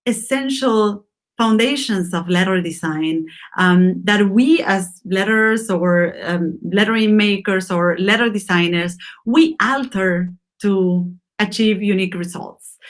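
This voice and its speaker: A woman from Argentina teaching a lettering class, speaking off the cuff with many ums and restarts. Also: medium pitch. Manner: unscripted, many fillers and restarts. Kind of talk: class lecture.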